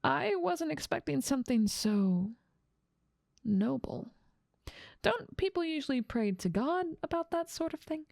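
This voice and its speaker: A woman's voice: sits high, sing-song, a little slow, creaky, darkish tone, no echo, clean studio sound, voice pushed up, heavily acted. A woman voicing a dominant demon ruler of hell in an ASMR roleplay, teasing, condescending and self-assured. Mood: gracious, commanding.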